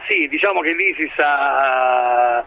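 A man giving expert current-affairs analysis in an interview, speaking in a halting, hesitant way as he builds his points. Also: medium pitch, dull audio, slight background noise. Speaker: expert commentator being interviewed.

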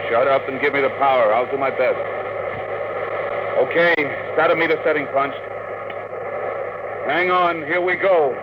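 An actor playing a gruff, tough but caring spaceship pilot with clipped, slangy orders in a 1950s radio drama. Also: male voice, mid-range voice, normal speed, long pauses, close to an everyday voice. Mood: tense, urgent. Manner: clipped commands, slangy and brusque. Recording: noisy, muffled 1950s radio recording.

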